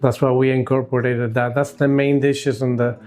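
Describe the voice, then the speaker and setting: Halting Cuban man in his sixties, music behind. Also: mid-range voice, flat delivery, darkish tone. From Cuba. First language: Spanish. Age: 60s. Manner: halting, searching for words. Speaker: food truck owner, interviewee. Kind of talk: casual interview answers.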